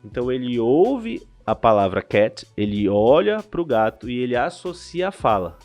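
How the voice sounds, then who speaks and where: Animated Brazilian man explaining things. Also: medium pitch, normal speed, soft background music. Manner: animated explainer with frequent restarts. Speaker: language school director, podcast guest. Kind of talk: casual explanatory interview talk.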